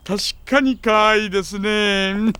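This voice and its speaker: A man playing a genial but sly middle-aged gentleman with an unctuous, formal, teasing manner in an anime audio drama. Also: high-pitched, fairly even intonation, measured pace, a little hiss or hum. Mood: bemused. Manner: unctuous, formal, teasing, chuckling old-fashioned phrasing.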